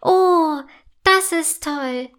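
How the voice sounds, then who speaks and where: Figure: woman voicing a gentle white unicorn mare. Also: high-pitched, a little slow.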